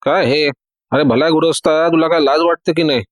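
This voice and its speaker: A man's voice: fairly high pitch, steady tone, normal speed, no echo, studio quality, natural voice. A man voicing a flustered middle-aged police inspector who fires off agitated questions.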